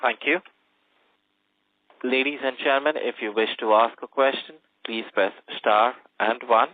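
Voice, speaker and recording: A man's voice: medium pitch, measured pace, dry recording. A man working as a conference call operator, giving formal scripted prompts. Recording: dry, narrow telephone line.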